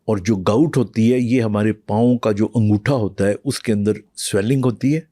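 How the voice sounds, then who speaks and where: Man explaining calmly, warm dark voice. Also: fairly low pitch, dry recording, studio quality. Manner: patient, explaining, with fillers and pauses. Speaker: internal medicine doctor, podcast guest. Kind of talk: explanatory interview talk, mixing in English.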